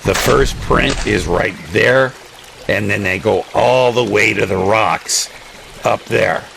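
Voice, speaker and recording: An actor plays a plain-spoken male tracker in an audio drama, low and heavily gravelled. He talks slowly and hesitantly, with trickling water noise around him. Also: exaggerated voice. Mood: matter-of-fact. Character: laid-back man out tracking footprints.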